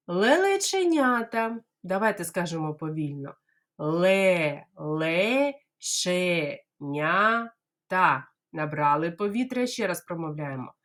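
A Ukrainian kindergarten teacher with a voice on the low side gives small children a speech lesson on saying words clearly. She models each word slowly and with exaggeration, syllable by syllable, and playfully imitates bird calls.

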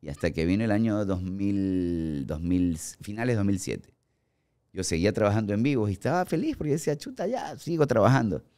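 Deep-voiced Ecuadorian man telling stories. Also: brisk. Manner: animated storyteller acting out quoted remarks. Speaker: guest actor and impressionist. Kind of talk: casual podcast storytelling. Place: podcast studio with armchairs. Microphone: studio mic on boom arm, headphones.

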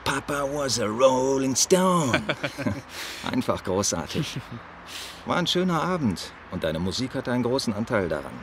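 A man's voice: mid-range voice, sing-song, a little slow. An actor playing a chatty, sociable family man in an audio drama. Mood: cheerful, friendly. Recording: clear street ambience noise.

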